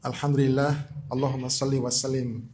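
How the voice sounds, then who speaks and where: A man opening a sermon with Arabic formulas and then preaching in a steady, building listing rhythm. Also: mid-range voice, brisk, slight background noise. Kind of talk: formal sermon opening, measured.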